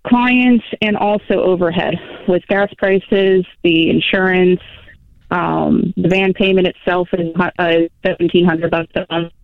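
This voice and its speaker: A woman in her twenties from Florida, calling in over the phone and speaking in a hesitant, halting way. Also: on the low side, fairly even intonation, gravelly, no echo. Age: 20s. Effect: over the phone line. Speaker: caller. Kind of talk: call-in advice talk. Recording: tinny dry phone line.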